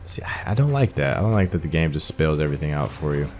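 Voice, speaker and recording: Very deep-voiced man, casual game commentary. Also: animated, fast, darkish tone. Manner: informal, thinking aloud. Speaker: gaming video host. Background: game music.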